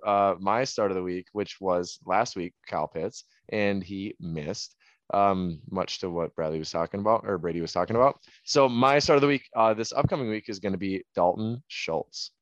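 A man's voice: on the low side, moderate pace, dry recording, highs cut off. A man co-hosting a casual fantasy football podcast, teasing his friends and laughing often. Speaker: podcast co-host.

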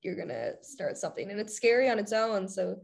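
A woman's voice: mid-range voice, expressive, a little fast, creaky. A woman hosting a podcast, asking questions in a casual, upbeat and encouraging way, laughing often. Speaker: podcast host. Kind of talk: casual interview chat.

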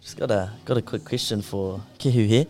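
A man co-hosting a podcast, chatting casually in a halting, slangy way. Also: lowish voice, a little mellow, soft background music. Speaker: podcast co-host reading messages. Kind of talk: casual chat.

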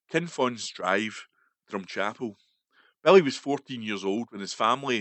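A man reading a newspaper feature aloud in a steady, measured way, with the odd slip. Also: lowish voice, dry recording. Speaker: newspaper article reader. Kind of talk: read-aloud news feature.

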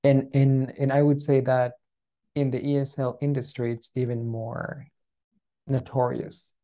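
A man who is the guest on an interview, explaining his views earnestly and ending many points with a quick "right?". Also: mid-range voice, flat delivery, mellow. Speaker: guest, founder of a pronunciation coaching business. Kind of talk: casual interview chat.

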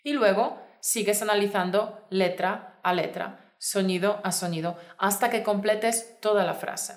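A woman with a mid-range voice gives clear, instructive directions in a scripted lesson. Her voice carries a roomy echo. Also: mid-range voice, a little slow. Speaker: Spanish teacher.

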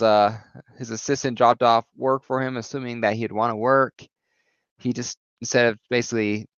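Male comic reviewer, smooth clear voice, loose rambling delivery full of "uh"s, dry and slightly dull recording. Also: medium pitch, a bit bright, no room sound. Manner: rambling, many fillers and restarts. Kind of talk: casual comic recap.

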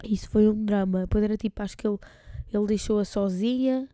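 A woman's voice: mid-range voice, a little fast, dark tone, no echo, studio quality. A young woman with a European Portuguese accent telling stories on her solo podcast, rambling and slangy, often laughing. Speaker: podcast host.

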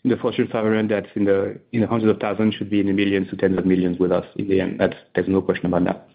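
Male executive, fairly low, conversational and halting earnings-call answers, phone-band sound. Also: completely flat delivery, gravelly. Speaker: company executive answering analysts. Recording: tinny phone-like conference line.

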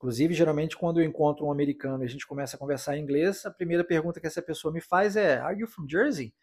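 Man, English teacher, a touch high-pitched, patient explaining, drills phrases. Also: fast, darkish tone, breathy edge. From Brazil. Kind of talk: podcast language lesson.

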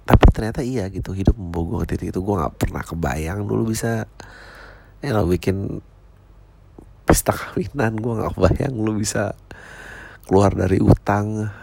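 A man's voice: low-pitched, creaky, mellow, a little hiss or hum. A man, a stand-up comedian talking casually and reflectively, full of slang, swearing and English phrases.

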